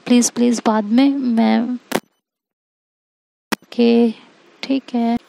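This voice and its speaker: A woman's voice: a little high, flat delivery, drawn-out words, gravelly, noisy background, exaggerated voice. A woman voicing a playful young woman who teases and coaxes her upset wife in a pleading, sing-song way. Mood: flustered.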